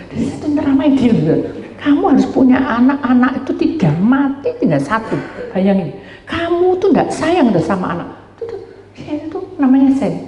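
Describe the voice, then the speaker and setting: A woman's voice: medium pitch, slight background noise. A middle-aged woman pastor telling a story in a sermon, acting out voices and calling out to the congregation. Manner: animated, acts out dialogue, addresses congregation as "saudara". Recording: roomy hall, voice from far off.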